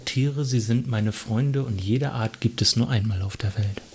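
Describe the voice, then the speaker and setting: A man's voice over noticeable background noise. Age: 30s. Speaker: YouTuber. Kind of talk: casual chat.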